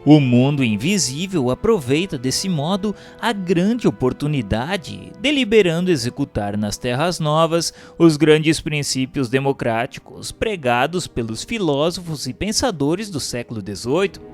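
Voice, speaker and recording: A man's voice: a little high, very animated, a little slow, few pauses. A man with a Brazilian accent reading scripted narration in a formal, solemn, declamatory manner. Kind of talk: scripted audiobook-style narration of a historical religious text. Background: music.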